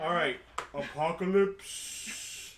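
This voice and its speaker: A man puts on a character voice with a high pitch. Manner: dramatic, menacing.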